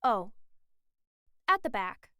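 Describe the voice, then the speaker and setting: A woman voicing a small, gentle, anxious mage with a youthful voice and hesitant, simple phrasing in a fan-made audio drama. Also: sing-song, takes it slowly, smooth, no room sound, studio quality, full character voice. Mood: anxious, evasive. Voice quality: high, bright, youthful.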